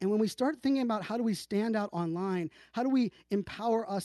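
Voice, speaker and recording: A man with an American accent speaks in a high voice with a dark, mellow tone and lively intonation. The sound is dry and close with no echo, over a quiet background. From Pittsburgh, US. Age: 40s. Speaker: marketer and motivational speaker. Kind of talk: motivational talk. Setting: live audio chat room.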